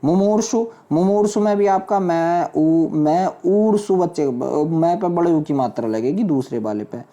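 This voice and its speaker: Low mellow woman teacher going word by word through spellings, keeps asking the class what's right. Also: expressive, moderate pace. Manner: drills each word with rhetorical questions, calls students "बच्चे" and "मेरे भाई". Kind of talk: exam-prep spelling lesson.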